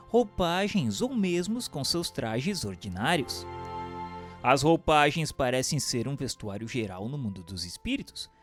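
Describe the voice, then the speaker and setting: A man with a Brazilian accent reading a book aloud as a narrator, in a formal, declamatory way. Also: on the high side. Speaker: audiobook narrator. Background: music.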